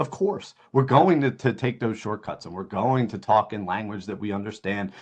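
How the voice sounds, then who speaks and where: The voice moves at a fairly quick pace over a quiet background. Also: man. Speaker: patient safety adviser. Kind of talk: webinar lecture. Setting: online webinar. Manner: fast; hesitant, many repeated words.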